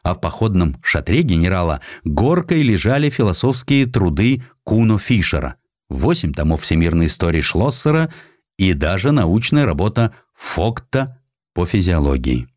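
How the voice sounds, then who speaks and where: A man reading a historical essay as an audiobook narrator, in an expressive, measured literary manner with distinct pauses. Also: sits low, no echo, studio quality.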